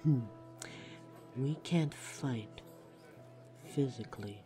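Man acting a taunting male vampire barista, slow dry delivery, snide, goading, audio drama, music behind. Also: mid-range voice. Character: snide, taunting vampire coffee-house server. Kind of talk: scripted roleplay audio drama.

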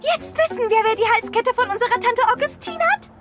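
Very high, confident little cartoon girl. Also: lively intonation, a little fast. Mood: eager. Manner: eager, commanding, exclaiming. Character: bright, confident little girl playing detective with her pet. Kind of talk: children's cartoon voice acting. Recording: loud music behind the voice.

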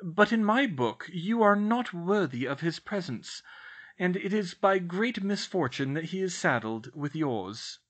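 A man's voice: sits high, big pitch swings, a little slow, voice pushed up, heavily acted. A stern older woman professor, put on by a male reader, talks in a raised, clipped voice that cuts with formal disapproval.

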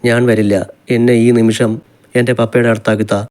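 A man's voice: medium pitch, level tone, a little fast, a little mellow, clean tone, natural voice. Guy reading as a stubborn teary young wife, pleading and defiant, audiobook. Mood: tearful defiant.

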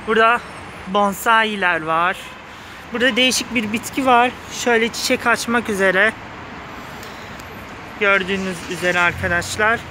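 In a casual vlog, a high-pitched man wearing a face mask speaks slightly muffled, gushing with enthusiasm to his viewers. The setting is a street pavement outside a flower shop, and a handheld phone behind the camera records him over street noise, passing cars and urban ambience.

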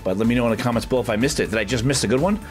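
A man's voice: medium pitch, rapid-fire, faint music behind. A middle-aged man, casually narrating a walking vlog through a small comic shop, rambling with lots of filler words. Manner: chatty, rambling, many "uh" fillers, excited when finding books. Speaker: vlogger touring a comic shop. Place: street, then a small comic shop indoors.

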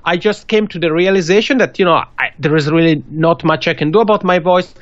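A man's voice: fairly high pitch, quick pace, no echo. Swiss-accented man giving earnest advice. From Switzerland. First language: not English. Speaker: podcasting guest. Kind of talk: video call interview. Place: small indoor room. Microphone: studio mic with pop filter on a video call. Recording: dull, dry video call audio.

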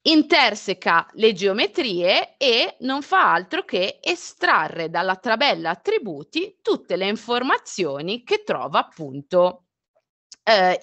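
A woman presenting a software tutorial in a webinar, explaining step by step with many fillers and self-corrections. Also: mid-range voice, no room sound. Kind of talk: live webinar explanation with screen demo.

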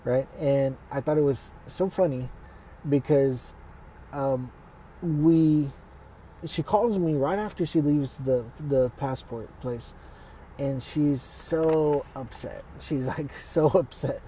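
A man's voice: medium pitch, slow pace, mellow, slight background noise, low-quality recording. A man giving casual spoken Christian teaching and talking straight to his listeners. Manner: conversational, speaks straight to listeners.

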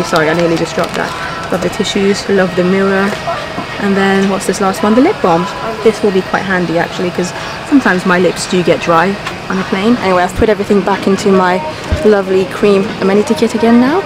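A woman's voice: mid-range voice, steady tone, a little fast, heavy background noise. A young woman vlogging from an airplane seat, chatty and enthusiastic as she shows things to camera, filmed at arm's length. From Persian-speaking family. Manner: chatty and enthusiastic, easily impressed. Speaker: travel vlogger. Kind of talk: casual travel vlog chat to camera. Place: airplane business class cabin. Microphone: handheld camera at arm's length. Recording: background music under the voice.

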